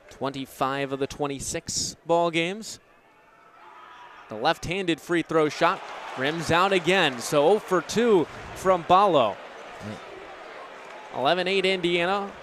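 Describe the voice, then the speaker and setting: Young man, high voice, live basketball commentary, faint crowd and arena noise. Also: fairly bright tone. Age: 20s. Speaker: play-by-play announcer. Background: basketball game crowd.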